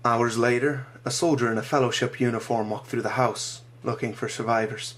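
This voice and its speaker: Man narrating his own story, measured pace, mid-pitched voice. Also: steady tone, fairly bright tone.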